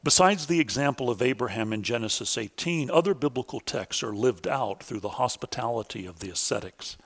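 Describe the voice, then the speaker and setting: A man reading a scripted academic lecture in a measured, deliberate and formal way, pausing for quotations. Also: mid-range voice, expressive, fairly bright tone.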